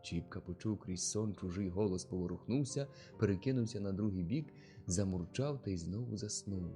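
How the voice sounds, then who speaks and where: A man reads a classic novel aloud with expressive, steady storytelling. His voice sits low. Soft music plays faintly under the reading. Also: brisk. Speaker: audiobook narrator. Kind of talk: audiobook narration of a classic novel.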